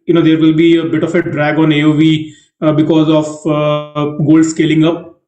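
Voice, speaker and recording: A man speaking as a financial analyst, politely asking a question on an earnings call in halting phrases. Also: a little high, monotone, dark tone, highs cut off, soft background music. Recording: echoey roomy call audio.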